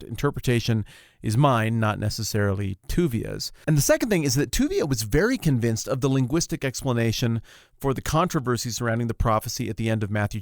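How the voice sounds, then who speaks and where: A male podcast host talks with energy and self-deprecating humor, summing up points quickly. His voice is mid-pitched, and the recording is close and dry. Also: no echo. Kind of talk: casual podcast chat and summary.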